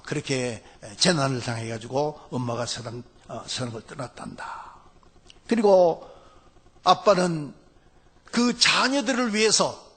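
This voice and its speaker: A man preaching a Sunday sermon, easing into a story with hesitant fillers. His voice sits a little high for a man. It has a husky, breathy edge. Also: a bit bright. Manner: unhurried, with frequent hesitant fillers. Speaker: pastor.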